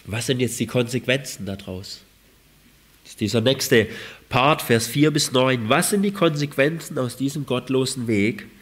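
A man's voice: medium pitch, normal speed, a bit bright. A man preaching a sermon with a cold, reading scripture with rising emphasis and asking rhetorical questions. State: has a cold.

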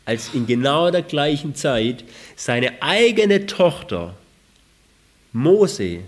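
A man's voice: on the high side, sing-song, slow pace. A man with a slightly raised voice and a cold preaches a sermon. He reads scripture with rising emphasis and presses his listeners with rhetorical questions. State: has a cold.

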